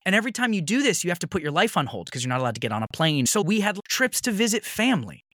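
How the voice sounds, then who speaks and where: A man's voice: high voice, very animated, rapid-fire, fairly bright tone, dry recording. A man from Maine, a podcast guest in his thirties, telling a story in casual conversation, swearing freely and acting out the other people in it. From Maine, USA. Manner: heated, swears freely, voices others in retold dialogue.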